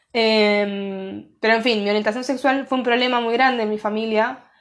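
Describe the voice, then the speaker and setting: Spoken at a fairly slow pace with fairly even intonation, the voice has a Rioplatense accent. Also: woman. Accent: Argentine Rioplatense Spanish. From Argentina, Bahía Blanca. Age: 20s. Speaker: podcaster. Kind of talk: personal monologue. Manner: casual, with frequent fillers.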